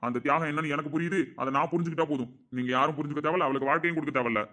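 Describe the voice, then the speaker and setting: A man's voice: fairly high pitch, rapid-fire, sharp tone. A man playing a middle-aged father who defends his daughter with emphatic, indignant speech in a family drama. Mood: angry. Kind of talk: amateur family drama acting.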